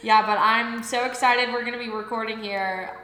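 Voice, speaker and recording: A bubbly, excitable young woman with a fairly high voice chats as a podcast co-host. Her voice rings with a big hall-like echo and long reverb from a bare, empty room. A faint hiss sits under it. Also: moderate pace. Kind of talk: casual podcast chat. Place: empty, unfurnished new apartment indoors.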